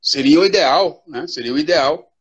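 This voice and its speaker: An older man, a futsal coach, talking in an unhurried, reflective way as a guest in a casual live interview over a video call. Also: a little high, slightly rough, highs cut off.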